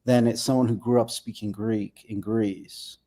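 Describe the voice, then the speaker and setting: A man's voice: fairly low pitch, fairly even intonation, unhurried, warm tone. An American man talking as an interview guest, thinking aloud and often repeating words as he forms his ideas. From United States. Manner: thoughtful, repeats words while forming ideas. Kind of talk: casual conversation.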